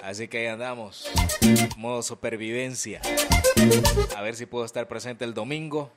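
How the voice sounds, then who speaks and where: A man's voice: medium pitch, fairly even intonation, normal speed. A young Salvadoran man hosting an afternoon radio show, chatting, reading listener greetings and ads while fighting a cold and sore throat. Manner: chatty, self-joking, reads listener messages. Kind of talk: casual radio chat and read ads. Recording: radio broadcast with music behind.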